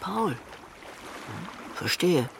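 A female shark in a naturalistic radio play. Her voice is low and full of gravelly creak, her manner laconic and deadpan but caring. Faint water sounds lie behind her. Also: very slow, full character voice. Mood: deadpan, sympathetic. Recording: faint watery background noise, boat-like ambience. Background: lapping water and sea ambience.

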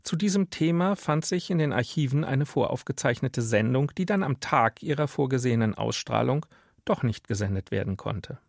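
A man's voice: mid-range voice, expressive, moderate pace, gravelly, dry recording, studio quality. A man presenting a radio feature in scripted narration.

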